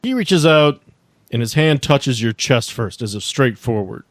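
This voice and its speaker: A man's voice: medium pitch, expressive, a little slow, no room sound. A man narrating a tabletop roleplaying game as the game master.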